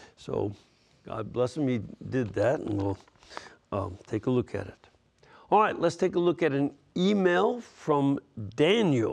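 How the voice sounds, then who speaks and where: A man's fairly high voice at a fairly slow pace, with long, frequent pauses, big swings in loudness and very wide pitch swings. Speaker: priest and radio show host. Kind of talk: religious talk show teaching with call-ins. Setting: live broadcast, studio.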